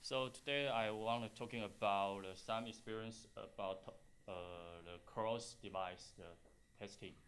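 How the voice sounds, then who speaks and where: Slow, halting Taiwanese-accented man presenting. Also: on the low side, steady tone, a bit bright, clean tone. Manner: halting, hesitant delivery in non-native English with frequent pauses. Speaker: conference speaker, software test engineer. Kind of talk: conference tech presentation.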